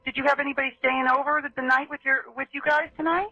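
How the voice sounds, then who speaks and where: A woman working as an emergency dispatcher, calming and questioning a child with endearments over a muffled telephone recording. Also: high voice, fast talker, no room sound. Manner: reassuring, uses endearments with a child.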